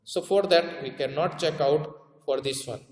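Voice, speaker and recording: Male maths teacher, South Asian accent, slightly high voice, explains and repeats with tag questions, in a very reverberant room. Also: normal speed, darkish tone. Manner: repeats key terms and adds tag questions to check understanding. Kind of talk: classroom lesson explanation. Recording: echoey room with long reverb.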